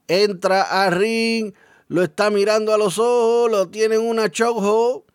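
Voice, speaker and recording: A man's voice: sits high, dry recording, studio quality. A man working as a wrestling commentator, calling the action move by move in short phrases. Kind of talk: wrestling play-by-play commentary in Spanish.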